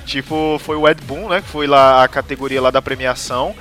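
A man's voice: mid-range voice, fairly even intonation, a little fast, a bit bright, faint music behind. A Brazilian man hosting a casual podcast chat, laid-back and slangy, often asking the others questions. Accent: Brazilian Portuguese. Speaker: podcast host.

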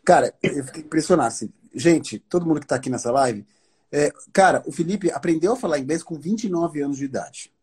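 A man on a live podcast as the guest, talking in a slangy, joking, excitable way. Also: a little high, a little fast, breathy edge. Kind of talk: casual live chat.

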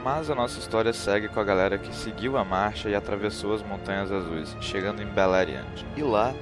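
A man's voice: on the low side, brisk. A man narrating a humorous explainer in a casual, joking, slangy way. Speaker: host. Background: background music.

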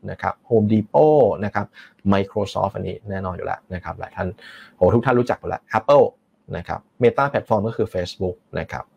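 A man presenting investment funds in a measured, explanatory way, with frequent pauses and polite fillers. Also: on the low side, lively intonation, gravelly, darkish tone, husky, muffled recording. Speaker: fund presenter.

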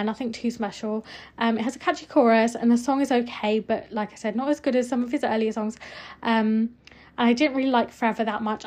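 A woman's voice: on the high side, darkish tone. A young woman, reviewing music albums in a casual, chatty way, full of "um" and "like". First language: Punjabi not first language. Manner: chatty, many fillers like "um" and "like".

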